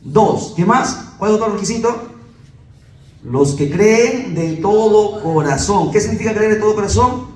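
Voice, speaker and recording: A pastor with a Peruvian Spanish accent, preaching emphatically to a congregation and firing off rhetorical questions. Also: male voice, high voice, a little slow, a little mellow, echoey room, recorded from a distance, low-quality recording.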